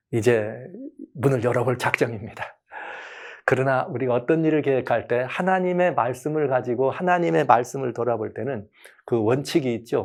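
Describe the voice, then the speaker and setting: Medium pitch and ordinary pitch variation in a male voice. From Chungcheong, Korea. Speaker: pastor. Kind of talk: sermon. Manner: fast.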